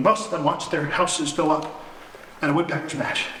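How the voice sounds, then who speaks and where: Noticeable background noise fills the recording. Through it, a man talks with ordinary pitch variation. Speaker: actor. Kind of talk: one-man stage show, storytelling. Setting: live audience.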